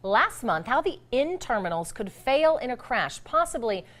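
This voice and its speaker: A woman reads scripted news as an anchor. Her voice is on the high side, with very lively, varied intonation. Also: normal speed.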